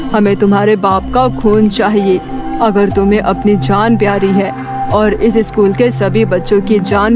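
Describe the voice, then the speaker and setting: Casting: actress as vengeful murdered teacher's ghost, mid-pitched, menacing horror cartoon delivery, prominent music. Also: female voice, close to an everyday voice. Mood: vengeful, threatening. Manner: menacing, slow declarations, repeated demands. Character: vengeful ghost schoolteacher, a murdered woman seeking release. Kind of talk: dramatic horror cartoon voice acting.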